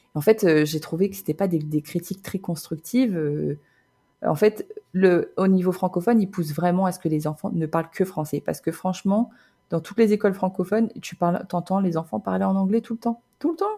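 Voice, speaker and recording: A woman's somewhat breathy, dark and mellow voice at medium pitch, with ordinary pitch variation and a fairly quick pace. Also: very clean recording, silent background. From Normandy, France. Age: 30s. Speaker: expat mother. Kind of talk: interview testimony.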